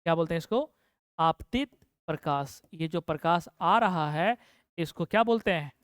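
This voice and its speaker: In an exam-prep physics lesson for a board exam, a man keeps posing questions to the class and answering them himself, slowing down to repeat key terms so students can take notes. His voice sits on the high side and sounds smooth and clear. The recording is dry and close, with no room sound.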